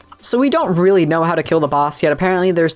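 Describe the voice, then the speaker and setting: Speech at a very fast pace plays over music in the background. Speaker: gaming youtuber. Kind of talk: gaming commentary. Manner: animated.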